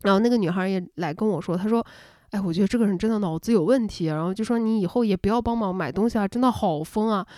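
A young woman from Shanghai, podcast host, telling a story in an exasperated late-night rant, acting out quoted voices with rising pitch, recorded close at home in bed. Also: fast, warm tone, no echo. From Shanghai, China. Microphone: close home recording, unedited.

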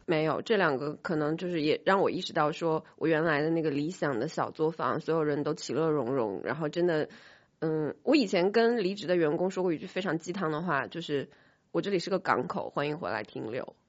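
A woman with a slightly low voice talks quickly in a casual podcast discussion. She is frank and self-critical, explaining herself as she goes. The recording is a little muffled and band-limited. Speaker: podcast host, company boss. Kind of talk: casual panel chat. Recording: dull, band-limited sound.

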